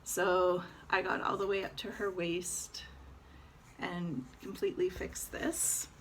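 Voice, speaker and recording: A woman's voice: on the low side, level tone, slow pace, a bit bright, slight background noise. A woman chatting casually about her cross-stitch projects, rambling with fillers as she shows her work. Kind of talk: casual show-and-tell chat.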